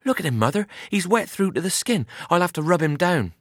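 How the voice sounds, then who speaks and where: An eager, gentle teenage farm boy, as a male reader puts him on, his voice lifted well above the reader's own and bouncing up and down with excitement. He talks quickly and pleads with feeling. The recording is close and dry. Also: high-pitched, no echo, pitched above the performer's own voice, heavily acted.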